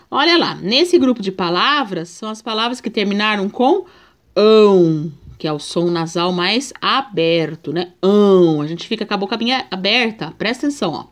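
A woman's voice: mid-range voice, a bit bright. A Brazilian woman teaching a remote reading lesson to young children, patiently drawing out each syllable. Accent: Brazilian Portuguese. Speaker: primary school teacher.

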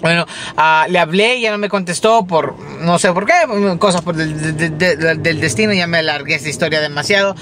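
A man's voice: a little high, brisk, background noise. A man chatting casually in a daily vlog, rambling with fillers and restarts while driving. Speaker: vlogger. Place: in a car, driving.

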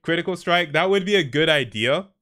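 Fairly high-pitched, animated and fairly quick with a sharp tone, this young adult man is streaming indoors from his home streaming room on a headset. He's laid-back and chatty with his chat, laughing often.

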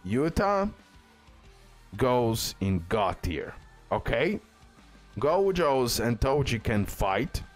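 A man's voice: medium pitch, very animated, extremely slow, pauses often. A man giving casual game guide commentary as a video host, leaning on repeated, emphatic phrases. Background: background music.

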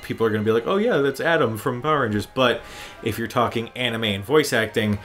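A man's voice: mid-range voice, fast, a bit bright. A man giving casual, explanatory commentary on a game, rambling like a fan. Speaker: gaming commentary host. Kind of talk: casual chat commentary over game cutscenes. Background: game cutscene music.

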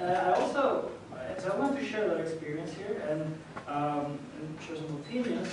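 Man, distant and echoey. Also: a little high. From Cuba. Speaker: panelist. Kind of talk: academic panel talk. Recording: echoey hall from far off, noisy.

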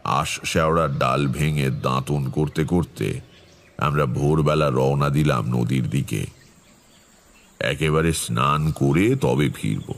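An actor playing a brooding tantrik storyteller, narrating his eerie past in a measured, reflective horror audio drama. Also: rumbling low, gravelly, a little hiss or hum, full character voice.

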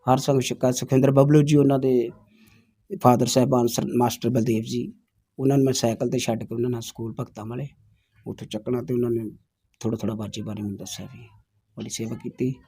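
A man, a folk singer answering interview questions in a humble, soft-spoken way and often agreeing with "haanji". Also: medium pitch, flat delivery, fast, slightly rough. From Punjab, India.

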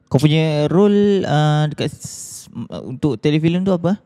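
A man's voice: a little high, unhurried, warm tone. A young man chatting on a podcast, asking curious questions. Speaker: podcast co-host. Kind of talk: casual chat. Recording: long hall reverb.

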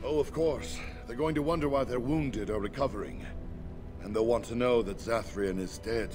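A man acts out a relieved, grateful man in a fantasy game. He speaks very slowly, solemn and awed, at a middling pitch, over clear music. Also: natural voice. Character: grateful, relieved man freed from a beast's curse. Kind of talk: fantasy video game voice acting. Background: game music behind the voice.

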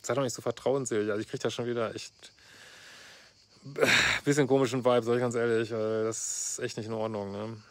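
A middle-aged couples therapist reads a viewer's letter aloud in a casual reaction vlog and comments on it bluntly and sarcastically, sprinkling in fillers and "ne?" tags. His medium-pitched voice is steady, a bit bright, and fairly quick.

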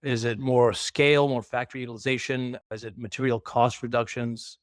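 A man asking a polite, measured question as an analyst on an earnings call. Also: mid-range voice, little pitch movement, dry recording, studio quality.

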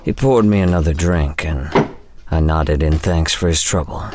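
A man's voice: rumbling low, normal speed, background noise. An actor playing a world-weary older man, brooding and wry, in a noir audio drama monologue.

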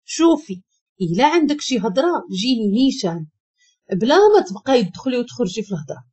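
A distraught young husband with a Moroccan accent, as a woman narrator puts him on, pleading urgently. The voice stays high, husky and soft-edged, with a lively swing in pitch. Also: a little fast. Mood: harsh.

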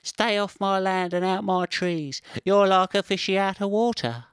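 A boastful little squirrel with a high, sneering, mocking voice, as a man puts him on for a storybook. He taunts loudly in a dry, close sound. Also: fairly even intonation, moderate pace, clear, resonant tone, dry recording. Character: boastful cheeky male squirrel.

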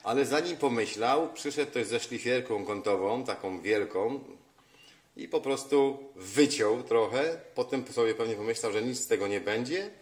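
A man's voice: mid-range voice, normal speed. A man narrating a walkthrough of a house, complaining with exasperated sarcasm about shoddy repairs, filmed on a phone indoors. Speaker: vlogger.

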